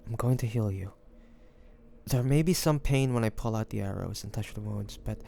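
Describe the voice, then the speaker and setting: A man's voice: on the low side, normal speed, dark tone. A man playing a devoted fantasy adventurer and healer in an audio roleplay, speaking intimately and earnestly. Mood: tender, regretful, urgent. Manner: intimate, earnest, with breathy sighs. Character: devoted fantasy adventurer and healer, tender toward his dragon beloved. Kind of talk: dramatic audio roleplay addressed to the listener.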